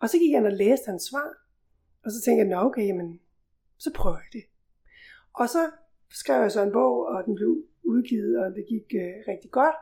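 At a moderate pace with long, frequent pauses, a woman speaks in a dark, mellow tone at a medium pitch, with vocal fry and very wide pitch swings. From Denmark, Gråsten in South Jutland. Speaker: crime novelist and journalist. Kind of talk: casual chat.

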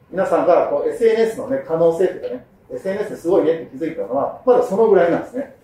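A fairly quick pace, big swings in loudness, and noticeable background noise. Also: man. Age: 50s. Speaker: seminar speaker. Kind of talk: lecture. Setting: stage with audience.

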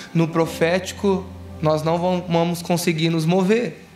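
A man with a high pitch speaks at a very slow pace, with audible room echo and noticeable background noise. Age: 20s. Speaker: pastor. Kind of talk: sermon. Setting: church. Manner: animated.

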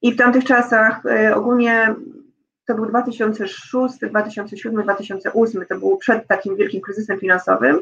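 Her intonation fairly even, a woman with a fairly high pitch speaks at a very slow pace. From Poland, Zakopane (Podhale highlands). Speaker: banker. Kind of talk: interview. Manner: halting, many fillers.

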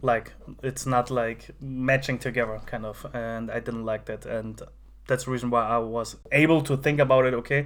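A man's medium-pitched voice with a German accent, at a moderate pace and in monotone, flat intonation. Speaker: podcast co-host. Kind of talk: casual chat.

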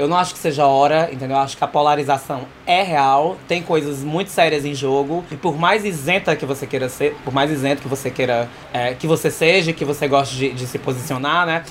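A woman with a very deep, low pitch talks at a fairly quick pace with hardly any pauses. There is noticeable background noise. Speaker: podcast co-host. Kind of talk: casual chat. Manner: animated.

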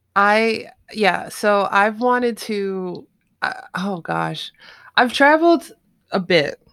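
A woman with a New York accent and a fairly high pitch speaks at a very slow pace with long, frequent pauses, in a very clean recording with a silent background. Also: lively intonation. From New York City, the Bronx. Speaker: podcast host. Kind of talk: casual interview.

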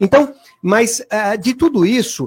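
A man speaks at a fairly slow pace. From Brazil. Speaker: shopping mall manager. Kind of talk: radio panel discussion. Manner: halting.

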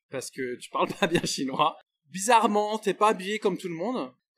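A man's high voice with very wide swings in pitch, at a moderate pace. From France, Paris. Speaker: entrepreneur. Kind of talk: casual interview chat. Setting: outdoors by a swimming pool. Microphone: technical issues in recording.

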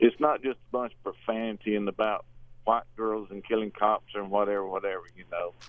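An ordinary speaking voice, a man's, fairly low-pitched, with fairly even intonation and a moderate pace. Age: 60s. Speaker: caller. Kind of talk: casual chat. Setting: phone call.

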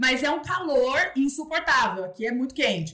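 Her voice raised and projected, a woman speaks high-pitched with lively intonation. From São Paulo, Brazil. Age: 30s. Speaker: expat worker living in Panama. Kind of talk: casual interview conversation.

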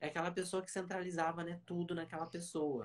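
A man has an ordinary speaking voice with a fairly high pitch. He moves at a moderate pace. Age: 20s. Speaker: podcast host and therapist. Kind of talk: live-streamed interview. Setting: Instagram live stream.

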